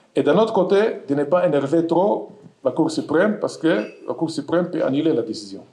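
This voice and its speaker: Speaking at a fairly quick pace, a man with a high pitch and a dark, mellow tone uses lively intonation. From Israel. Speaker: law professor; speaker. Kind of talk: lecture. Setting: stage with audience. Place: hall. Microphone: handheld.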